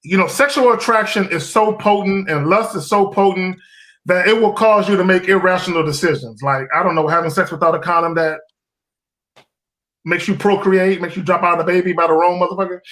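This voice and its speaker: A man's voice: high voice, fairly quick, a bit bright. Teasing, stammering man co-host. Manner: joking, teasing, stammers repeatedly. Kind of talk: casual chat, teasing.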